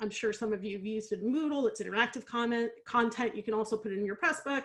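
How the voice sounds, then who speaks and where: A woman with a fairly high voice, very fast pace and ordinary pitch variation. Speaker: instructional designer giving a software workshop. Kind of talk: online workshop presentation.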